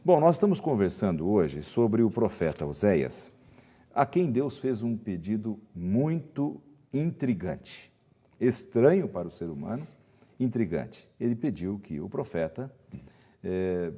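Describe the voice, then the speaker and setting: A man's voice: lowish voice, big pitch swings, measured pace, warm tone. A man with a Brazilian accent hosting a Bible talk program, speaking in an affirming, conversational presenter's manner. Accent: Brazilian Portuguese. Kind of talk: religious talk show discussion.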